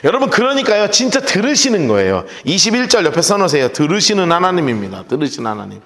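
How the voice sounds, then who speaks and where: Animated male preacher in a reverberant church. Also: high voice, fast. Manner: animated, emphatic, acts out voices. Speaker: pastor. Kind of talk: sermon. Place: church sanctuary. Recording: echoey church hall.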